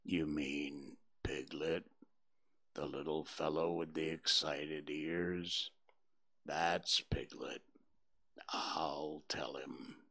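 A man's voice: extremely low pitch, fairly even intonation, gravelly, pushed and bright, dry recording, studio quality, pitched below the performer's own voice, heavily acted. Eeyore, a man doing a gloomy donkey. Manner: slow, sighing, mournful drawl. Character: gloomy old male donkey, self-pitying. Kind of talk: storybook reading.

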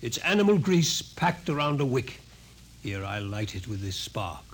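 An actor playing a coolly sardonic, authoritative scientist in a 1950s radio drama, speaking in measured, probing lines. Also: male voice, medium pitch, sing-song, natural voice. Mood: cool, detached. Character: commanding male scientist, coolly sardonic, explains things calmly. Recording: noisy old 1950s radio recording.

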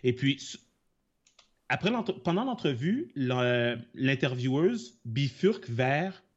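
A man's voice: mid-range voice, very animated, takes it slowly. Rambling man, lo-fi sound. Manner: rambling explanations with many fillers and self-corrections. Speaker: podcast co-host. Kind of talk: casual chat. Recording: dull lo-fi sound.

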